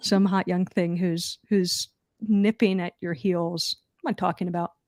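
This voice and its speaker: A woman with a Philadelphia accent talks at a medium pitch with fairly even intonation. The sound is dry and close, with no echo. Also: moderate pace, very clean recording, silent background. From Philadelphia, US. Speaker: comedian and copywriting reviewer. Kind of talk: casual live-stream chat. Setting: live stream from home office.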